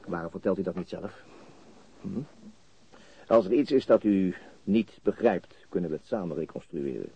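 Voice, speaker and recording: An actor in a radio crime drama playing a calm, shrewd police interrogator with a husky voice, patient and quietly probing. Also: male voice, low voice, dry recording, heavily acted. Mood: calm, understated. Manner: unhurried, quietly probing, understated. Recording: dull lo-fi studio radio recording.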